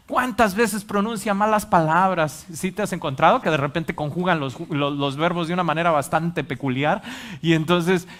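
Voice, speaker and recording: Animated preacher. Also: medium pitch. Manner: animated, acts out quotes, asks the audience questions. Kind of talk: live sermon to a congregation. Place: church hall with a congregation.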